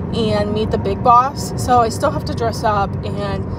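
Loud background noise runs under a woman speaking at a fairly slow pace, with a dry sound and no echo. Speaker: mom vlogger. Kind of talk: casual vlog chat. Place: car. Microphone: phone near.

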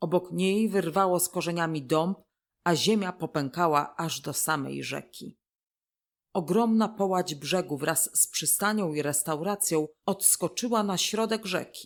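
On a very clean recording with a silent background, a woman with an ordinary speaking voice talks at a fairly slow pace and fairly low pitch, with ordinary pitch variation. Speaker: audiobook narrator. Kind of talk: audiobook narration of a novel, read aloud in a literary style. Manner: measured, expressive storytelling that slips into character voices for dialogue.

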